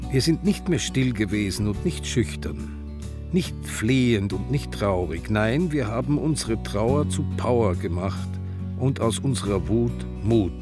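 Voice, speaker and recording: A man's voice: on the low side, expressive, unhurried. An actor playing an ageing, defiant gay activist who tells of his grief with a Viennese accent, in a radio drama. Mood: proud, defiant. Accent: Viennese Austrian. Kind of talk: radio drama monologue and dialogue. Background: music.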